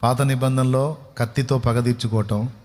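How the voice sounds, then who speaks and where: A man's voice: mid-range voice, fairly even intonation, moderate pace, a little mellow, in a large hall. A man preaching a sermon as a pastor, telling stories and asking his listeners questions. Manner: storytelling preacher who asks the listeners rhetorical questions.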